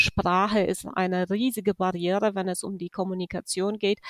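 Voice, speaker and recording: The speaker has a Polish accent and talks at a moderate pace. Intonation is monotone and flat, and the sound is dry and close with no echo. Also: woman. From southern Poland. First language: Polish (speaking German). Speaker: regional planning expert. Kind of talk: interview. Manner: hesitant, many fillers.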